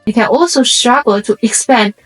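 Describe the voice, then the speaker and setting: A woman from China with a Chinese accent and a Chinese dialect as her first language, narrating a reflective scripted video essay in measured, explanatory short phrases. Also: on the high side, husky, faint music behind, low-quality recording.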